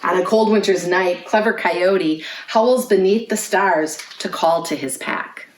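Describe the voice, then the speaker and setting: A children's librarian with a slightly low voice hosts a storytime for young kids, speaking clearly at an unhurried pace. As she reads, she asks questions and invites the listeners to answer. The indoor recording is roomy, with noticeable echo around her voice.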